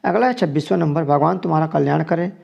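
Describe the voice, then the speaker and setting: Talking fast, a man from Chhattisgarh, India, leads a grammar exam walkthrough lesson, moving through each multiple-choice question. His voice is dark and deeply gravelly with a slightly high pitch, and he explains every answer step by step, saying it twice.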